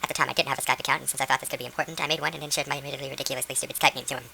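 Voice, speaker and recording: A woman reading a written document aloud in a rapid, flat read-through without pauses. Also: a bass voice, gravelly, slight background noise.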